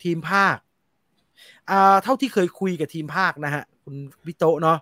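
Male film-show host, high voice, animated and blunt, dry sound. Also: normal speed, dry recording. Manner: animated, slangy and blunt, reads viewer comments. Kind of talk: casual film review chat.

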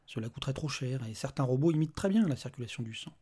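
A man voicing a calm male robot official who speaks in an even, detached, bureaucratic way with a husky voice. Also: medium pitch, fast talker.

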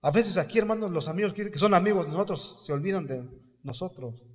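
High-voiced preacher in an echoing hall. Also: male voice, fast. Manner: storytelling with acted quotes, repeats "hermanos" often. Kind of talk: sermon. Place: church hall. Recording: long echo of a hall.

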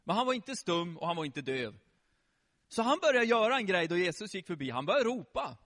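A middle-aged man telling a Bible story to children in a lively way, often quizzing them with questions. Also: high-pitched. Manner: animated, asks the children questions. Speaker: children's preacher.

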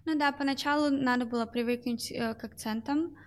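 In her interview answers, a young woman talks about her call center work with plenty of hesitations and fillers. Her voice is high and brisk, with fairly even intonation.

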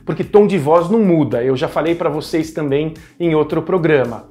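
A man's voice: moderate pace, a little mellow, faint music behind. Encouraging Brazilian man coaching speakers. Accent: Brazilian Portuguese. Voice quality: voice not deep. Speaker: media columnist and communication coach. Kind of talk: instructional talk to camera.

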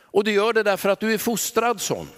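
A man preaching a sermon in a church, pausing dramatically and dropping to a soft, low voice on the words he stresses. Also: expressive, clean tone. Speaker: pastor. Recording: long church reverb.

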